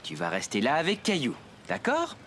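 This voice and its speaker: Animated, friendly cartoon dad. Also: male voice, on the high side, moderate pace, slight background noise. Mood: easygoing. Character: easygoing, friendly young father. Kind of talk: French cartoon dub. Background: music.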